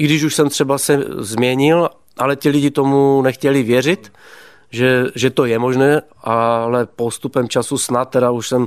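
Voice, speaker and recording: Here a man uses an ordinary speaking voice with fairly even intonation at a fairly slow pace. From Czechia, Ostrava region. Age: 40s. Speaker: hockey coach, former player. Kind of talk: interview.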